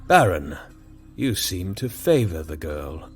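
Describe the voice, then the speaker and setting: A man narrator voicing a stern, jealous king who speaks quietly and menacingly. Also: low voice, sing-song, slow pace, breathy edge, faint music behind, full character voice. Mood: cold.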